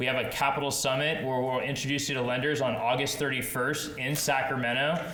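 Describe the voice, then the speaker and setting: With monotone, flat intonation, a man talks very fast at a medium pitch amid noticeable background noise and audible room echo. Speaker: small business development center director. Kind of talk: presentation to live audience.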